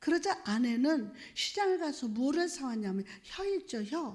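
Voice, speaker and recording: With very wide pitch swings, a woman speaks high in pitch at a fairly slow pace. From South Chungcheong, Korea. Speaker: pastor. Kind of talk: sermon.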